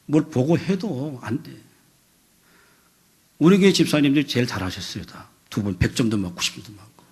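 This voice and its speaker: A man in his fifties, a pastor preaching a sermon, telling a story with voiced quotes and building to loud, emphatic peaks. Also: mid-range voice, brisk, husky. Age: 50s. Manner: storytelling with animated voiced quotes, rising to shouts.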